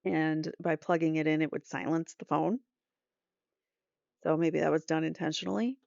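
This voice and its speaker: A woman's voice: low-pitched, steady tone, normal speed, gravelly, a little mellow, no room sound, highs cut off. A middle-aged woman reading trial updates aloud as a host, adding casual explanatory asides as she goes.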